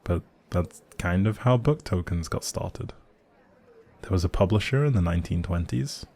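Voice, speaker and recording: A man's voice: deep voice, animated, moderate pace, mellow. A man playing a grumpy but secretly sweet young barista in an intimate audio roleplay, speaking straight to the listener in a teasing, wry, bookish way. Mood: curious, chatty. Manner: teasing, wry, hesitant asides.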